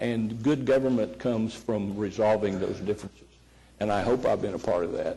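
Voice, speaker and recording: Medium-pitched male voice, dark and mellow, with fairly even intonation and audible room echo. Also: fairly quick pace. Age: 70s. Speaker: city council member. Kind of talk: farewell remarks at council meeting. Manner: halting, repetitive starts.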